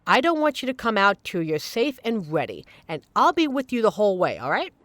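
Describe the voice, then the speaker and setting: Woman playing a supportive, animated young female friend. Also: medium pitch, brisk, dry recording. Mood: gentle, reassuring. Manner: earnest, casual, reassuring with playful exaggeration. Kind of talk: audio roleplay, conversational monologue to listener.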